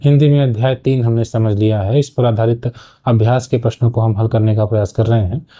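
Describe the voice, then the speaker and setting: A man's voice: medium pitch, steady tone, a little fast, dark tone. A man teaching an exam-prep lesson, explaining step by step and often checking in with "okay". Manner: explanatory, frequent "ठीक है" checks.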